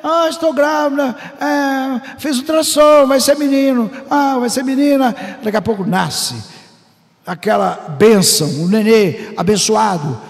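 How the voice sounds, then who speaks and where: Pentecostal pastor guy, super high gravelly voice, shouty sing-song preaching, big church echo. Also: a little slow. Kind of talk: Pentecostal sermon. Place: church hall.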